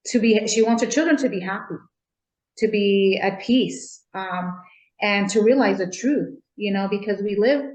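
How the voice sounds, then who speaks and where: A woman who is a religious sister, answering gently in an interview with many ums and restarts. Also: medium pitch, reverberant, rough recording.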